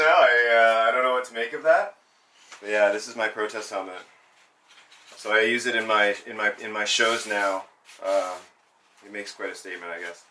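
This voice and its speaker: A man's voice: medium pitch, sharp tone, recorded from a distance, slight background noise. A man born in Zambia who works as a burlesque and cabaret performer, speaking reflectively in a documentary interview and often restarting his sentences as he searches for words.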